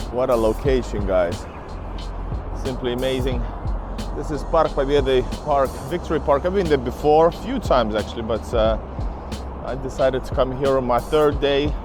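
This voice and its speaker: A man hosting a casual travel vlog interview outdoors in a city park, chatty and upbeat with filler pauses. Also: mid-range voice, music in the background. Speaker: host, travel vlogger.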